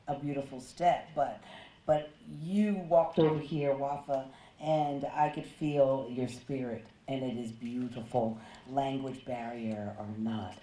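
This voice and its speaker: A woman hosting an awards ceremony, giving emphatic, drawn-out praise with repeated words. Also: sits low, mellow. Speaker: ceremony host. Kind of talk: emcee remarks at an awards ceremony. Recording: echoey hall with faint crowd.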